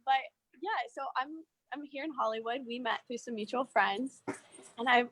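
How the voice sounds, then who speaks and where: A woman actress, originally from Mexico and raised in Ohio, chatting warmly as a guest from a park outdoors. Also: on the high side, normal speed, slight background noise, low-quality recording. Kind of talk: casual interview chat.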